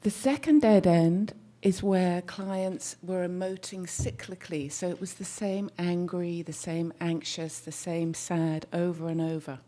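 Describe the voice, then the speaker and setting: Soft-spoken woman with a mellow voice. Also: lowish voice, steady tone, unhurried, hardly any pauses. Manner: soft-spoken, leans in to the mic; thoughtful, searching for words with small restarts. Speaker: therapist giving a talk. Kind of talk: presentation to an audience.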